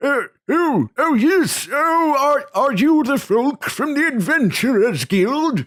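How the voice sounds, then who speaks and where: A man performs a put-on character voice at an extremely high pitch. He keeps to a fairly slow pace. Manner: shaky.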